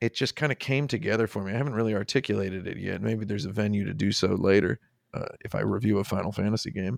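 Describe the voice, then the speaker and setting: A man with an American accent, fairly low pitch and vocal fry, at a very fast pace with ordinary pitch variation, in a dry, close sound with no echo. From US. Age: 40s. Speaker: video game critic. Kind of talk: casual chat.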